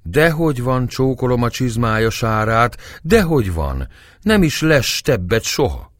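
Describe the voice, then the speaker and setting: A ragged, sly old gypsy, as a male narrator puts him on fawns and flatters in a raised, rustic voice. The pitch climbs well above the reader's deep base and jumps around a lot. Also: no room sound, studio quality, natural voice. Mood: fawning.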